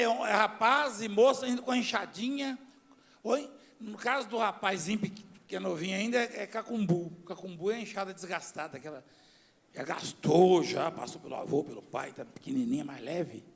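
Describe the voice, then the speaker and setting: A middle-aged man from Brazil preaching a sermon as a bishop, telling stories and shifting from hushed tones to shouts. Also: sits high, normal speed, creaky. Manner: storytelling preacher, mimics voices, swings from hushed to shouting.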